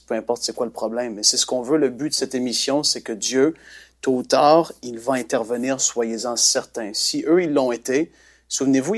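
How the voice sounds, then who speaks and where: Man hosting a Christian talk show. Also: medium pitch. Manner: encouraging, exhorting listeners. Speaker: host.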